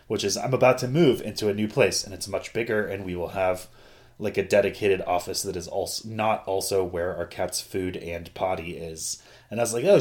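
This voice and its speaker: Low-voiced, jokey man in casual podcast chat. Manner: jokey, rambling, digressive, mildly profane. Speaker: podcast host. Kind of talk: casual chat recapping an anime.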